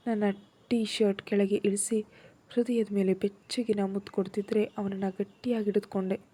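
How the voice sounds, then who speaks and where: Woman narrating a romance story, dark husky voice. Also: mid-range voice, normal speed. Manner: expressive, acts out the heroine's feelings. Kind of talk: first-person story narration.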